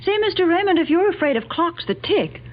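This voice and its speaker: A woman's voice: very high voice, sing-song, fairly quick. An American woman announcing on 1940s radio, reading scripted copy in a cheerful, earnest, emphatic way. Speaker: sponsor announcer and co-host. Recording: muffled 1940s radio recording.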